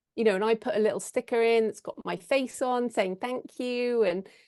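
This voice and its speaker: A woman with a British accent speaks at a moderate pace, her high voice carrying a dark, mellow tone. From England. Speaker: author. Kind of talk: podcast interview.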